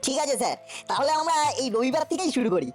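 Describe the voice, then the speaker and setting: A woman's voice: sits high, very animated, fast talker, a little mellow, faint music behind. A woman voicing an eager, outspoken young cartoon pupil with a blunt, earnest manner.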